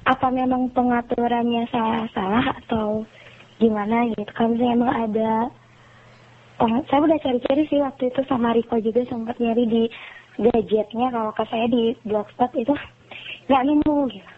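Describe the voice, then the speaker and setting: A woman's voice: a little high, steady tone, normal speed, breathy edge. A young woman calling in to a radio show by mobile phone, chatting in a casual, rambling way. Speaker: phone-in caller. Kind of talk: casual chat. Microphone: mobile phone call. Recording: tinny phone line, faint noise.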